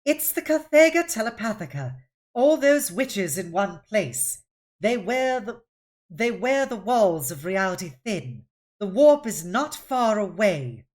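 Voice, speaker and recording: A woman's voice: medium pitch, sing-song, unhurried, darkish tone, voice pushed up. Casting: woman reader playing an uneasy, superstitious servicewoman in a war audiobook, eerie and emphatic delivery. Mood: insistent, uneasy.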